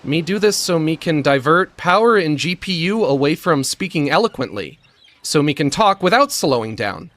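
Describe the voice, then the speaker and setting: A man putting on a dim-witted caveman way of talking, in broken grammar, with a squeaky voice. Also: lively intonation, moderate pace, a bit bright. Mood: playful.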